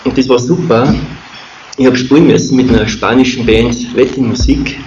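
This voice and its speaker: A muffled recording in an echoey room with clear noise carries a man speaking with an Austrian or Bavarian accent. He is middle-aged and tells his own story in loose, colloquial phrases, often halting and wandering as he goes. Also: mid-range voice, steady tone, darkish tone. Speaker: speaker telling a personal testimony. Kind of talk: informal personal storytelling.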